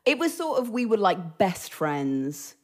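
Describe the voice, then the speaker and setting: A woman's voice: medium pitch, sing-song, unhurried, a little mellow. A British woman chatting as a podcast guest, self-deprecating and full of fillers. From Britain. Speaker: actress guest. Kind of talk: casual podcast chat. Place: remote or studio podcast recording.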